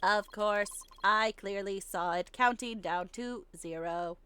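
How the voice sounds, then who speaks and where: A woman co-hosting a let's play, reading a game character's lines aloud in an animated way. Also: medium pitch, slow, a little hiss or hum. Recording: game music behind. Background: video game music.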